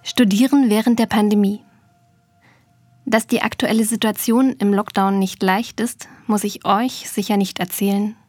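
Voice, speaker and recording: A woman's voice: medium pitch, fairly even intonation, moderate pace, a little mellow, no room sound, faint music behind. A woman hosting a photography news podcast, reading a scripted segment intro in an earnest tone that addresses the listeners directly. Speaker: podcast host.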